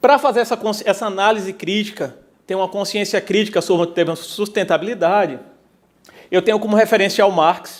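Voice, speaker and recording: A man's high-pitched voice, fairly quick, with ordinary pitch variation. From Brazil, Recife (Pernambuco). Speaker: public procurement official, conference speaker. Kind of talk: conference lecture.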